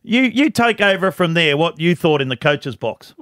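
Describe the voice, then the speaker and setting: A man hosts a radio chat in a chatty, easygoing way and laughs often. His voice runs high for a man and the sound is close and dry. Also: animated, moderate pace, a bit bright, no echo. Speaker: radio host.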